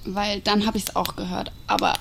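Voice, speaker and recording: Woman, medium pitch, colloquial audio drama delivery, noticeably noisy binaural scene. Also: little pitch movement, normal speed, gravelly, fairly bright tone. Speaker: podcast host acting in a short audio play. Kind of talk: scripted, colloquial audio play dialogue.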